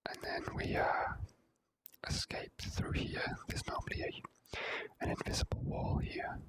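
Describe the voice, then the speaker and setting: Hushed whispered ASMR gamer. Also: poor audio. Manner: hushed, unhurried, relaxed. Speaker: video game streamer. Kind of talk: whispered ASMR let's play commentary.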